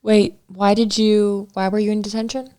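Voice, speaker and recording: A woman's voice: medium pitch, flat delivery, normal speed, warm tone, clear, resonant tone. A woman in her twenties with an American Midwestern accent, chatting casually and playfully as a podcast co-host, often jumping in. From Michigan, United States. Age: 20s. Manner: playful, interjecting. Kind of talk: casual relationship podcast chat.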